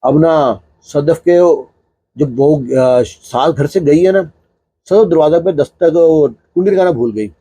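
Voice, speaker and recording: A man tells a domestic story in a loose, chatty manner, often breaking it up with small fillers. His voice is husky and mellow, and it sits fairly high for a man. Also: no room sound. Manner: conversational, filler-laden narrating. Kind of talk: casual spoken storytelling.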